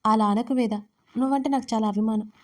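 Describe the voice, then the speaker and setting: A woman's voice: a little high, steady tone, a little fast, a little mellow, close to an everyday voice. A woman doing a tipsy, sentimental young man. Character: drunk young man, sentimental best friend.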